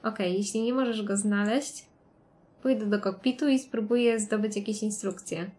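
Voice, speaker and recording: A woman's voice: medium pitch, fairly even intonation, normal speed, dark tone, close to an everyday voice. A woman reading the lines of a young man who survived a plane crash in a game, in a plain read-aloud way. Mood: dazed.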